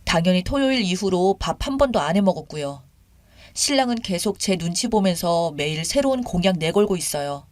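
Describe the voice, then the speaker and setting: A woman's voice: on the low side, animated, fairly quick, darkish tone, no room sound. A woman in her thirties reading a first-person story in an indignant, conversational, complaining way.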